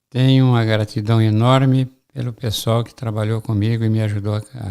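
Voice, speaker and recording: At a moderate pace and medium pitch, a man speaks in a dark, mellow tone with monotone, flat intonation. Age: 80s+. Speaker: pediatrician and former city councillor. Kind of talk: podcast interview.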